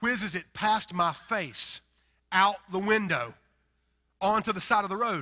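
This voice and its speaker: The voice is animated, bright and sharp, in a Southern US accent. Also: man. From US Deep South. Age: 40s. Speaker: visiting preacher. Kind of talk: sermon. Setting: church. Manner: animated, humorous.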